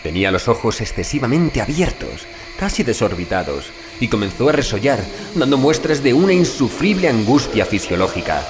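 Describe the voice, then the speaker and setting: Male horror audiobook narrator, lively intonation over music. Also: mid-range voice, normal speed. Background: background music.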